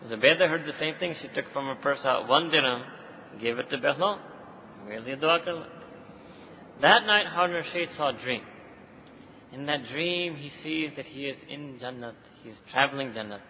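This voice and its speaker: A man with a South Asian accent preaching to a live audience as an animated storyteller, often checking in with listeners. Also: medium pitch, normal speed, a little hiss or hum. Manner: animated storyteller, switching languages, with rhetorical check-ins. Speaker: Muslim preacher. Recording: echoey hall, dull muffled sound.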